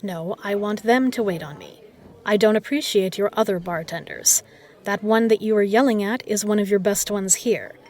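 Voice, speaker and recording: A woman playing a self-assured, particular bar regular in an audio roleplay, speaking in measured, formal phrases. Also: medium pitch, a little mellow, close to an everyday voice. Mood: firm, commanding. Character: poised, particular female bar regular, flirtatious and protective. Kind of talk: scripted audio roleplay addressed to the listener.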